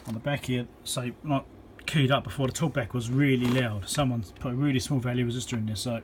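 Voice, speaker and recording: A man's voice: mid-range voice, steady tone, fairly quick, a little hiss or hum. Man muttering through a bench repair. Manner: thinks aloud with many ums, counts into the mic. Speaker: electronics repair presenter. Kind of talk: casual workbench commentary while repairing. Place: home workbench indoors.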